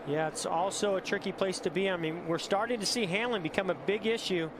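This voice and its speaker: A man's voice: high voice, brisk. A man working as a motorsport commentator and analyst, explaining incidents on a race broadcast. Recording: noisy race broadcast, engine roar. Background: race cars and outdoor track noise.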